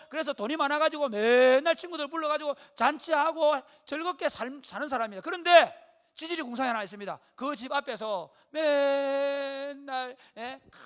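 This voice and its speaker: A male pastor preaching a sermon, telling stories with lively rhetorical questions to his congregation. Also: extremely high pitch.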